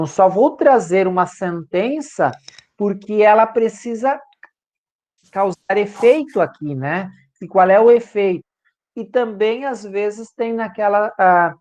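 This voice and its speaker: A man's voice: high-pitched, darkish tone. A male law professor with a Brazilian Portuguese accent, giving a classroom lecture and checking in with students after nearly every point. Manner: checks in constantly with "tá, gente?" tag questions.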